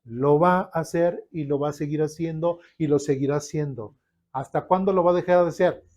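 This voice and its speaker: A man's voice: a little high, a little fast. A man preaching a sermon, asking the congregation questions and acting out people's complaints. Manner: animated, asks the congregation questions, acts out complaints.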